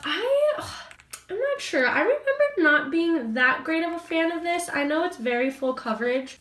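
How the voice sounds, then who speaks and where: A woman's voice: sits high, a bit bright. A woman beauty vlogger reviewing her products in a friendly, upbeat, chatty way, a little sniffly and congested from a cold. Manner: friendly, upbeat, talks straight to viewers. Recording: echoey room.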